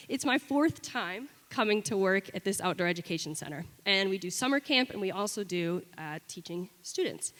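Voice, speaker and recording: A young woman from Washington recounts a personal story before a live audience. She talks in a loose, wry, conversational way with small restarts, and her voice rings out with the long reverb of a performance hall. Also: mid-range voice. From Olympia, Washington. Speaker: storyteller on stage. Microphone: stage microphone.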